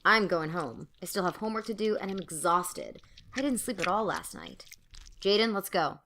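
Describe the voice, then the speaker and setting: A woman's voice: mid-range voice, big pitch swings, normal speed, fairly bright tone, slight background noise. A woman playing a blunt, exasperated female student who narrates and acts in an audio drama, with a dry sardonic manner. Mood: weary, irritated. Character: exasperated, sarcastic female student, narrator of her own story.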